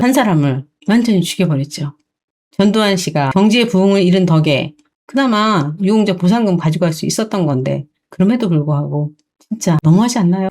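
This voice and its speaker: A woman's voice: lowish voice, a little mellow. A woman hosting her own channel, delivering an opinion commentary monologue in an indignant tone full of rhetorical questions. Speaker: channel host.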